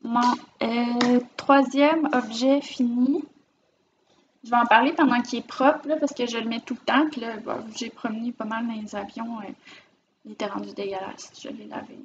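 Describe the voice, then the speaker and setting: This knitting vlogger speaks with a Quebec French accent, and her voice sits on the high side with fairly even intonation at a normal speed. She rambles warmly on camera, showing off completed knits in a relaxed show-and-tell, recorded on the camera's own mic. The sound is lo-fi, with slight background noise.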